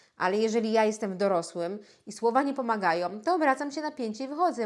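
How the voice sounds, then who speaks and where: An ordinary speaking voice with lively intonation moves at a fairly quick pace in a very clean recording with a silent background. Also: woman. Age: 40s. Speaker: self-development coach. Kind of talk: educational video monologue.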